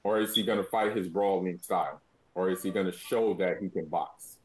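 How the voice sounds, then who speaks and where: A man co-hosting a casual live chat, his voice muffled and low as if heard through a wall from a Bluetooth headset mic, often restarting his phrases. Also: moderate pace, a little mellow. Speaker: co-host. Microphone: Bluetooth headphones mic.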